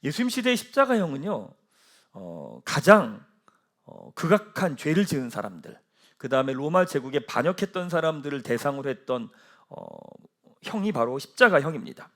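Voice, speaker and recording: A man's voice: fairly high pitch, sing-song, moderate pace, a bit bright. A male pastor preaching a Sunday sermon and asking his congregation rhetorical questions.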